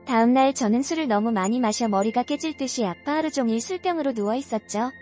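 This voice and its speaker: A woman narrating a first-person story for a story channel, earnest and confiding. Her voice sits a little high, and soft music plays underneath throughout. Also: fast. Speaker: story reader.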